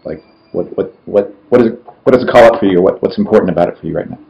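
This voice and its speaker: A man hosting a podcast interview over a video call, asking halting questions with many restarts. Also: low voice, creaky, mellow, muffled recording. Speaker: podcast host.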